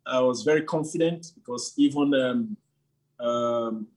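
A man speaks with a slightly husky, airy voice at an ordinary pitch. He tells his stories in a loose, animated way, full of "you know" and small restarts. He sounds like a church leader being interviewed. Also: measured pace. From Nigeria. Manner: animated storytelling with frequent fillers. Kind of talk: casual interview talk.

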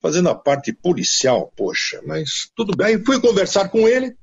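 An older Paulistano man with a husky voice set high, telling radio stories with sudden jumps in pitch. His delivery is animated and full of asides. The sound is dull and lo-fi, as from an online call. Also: normal speed. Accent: Paulistano from Mooca. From São Paulo, Brazil. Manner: animated storyteller, leaps in pitch for emphasis. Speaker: veteran radio broadcaster, guest. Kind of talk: casual storytelling interview over an online call.

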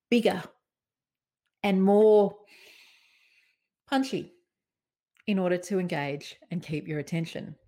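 A woman giving presentation tips in a conversational, expressive way, varying her tone and emphasis. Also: fairly low pitch. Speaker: presentation coach. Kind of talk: talking-head presentation tips.

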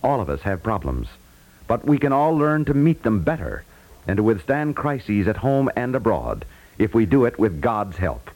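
Man, 1950s radio announcer, lowish voice, expressive intonation, earnest, formal, scripted delivery. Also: moderate pace, poor audio. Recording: vintage 1950s radio recording.

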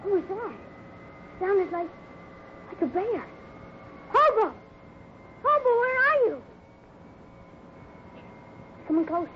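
A woman's voice: very high voice, sing-song, takes it slowly, pauses often, exaggerated voice. A woman playing an earnest young cowboy boy with breathless exclamations in a 1950s radio adventure. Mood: alarmed, frightened. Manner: breathless, gee-whiz exclamations. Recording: tinny, faintly noisy 1950s radio recording.

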